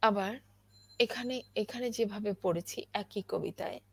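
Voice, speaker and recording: A woman giving a spoken lesson on poetry recitation, explaining slowly with many pauses and fillers. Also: mid-range voice, slightly rough. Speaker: recitation teacher.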